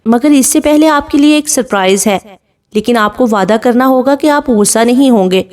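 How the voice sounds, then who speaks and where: A sweet, playful daughter from a spoken novel, read by a woman. She tends her sick father in a bright, fairly high voice. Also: close to an everyday voice.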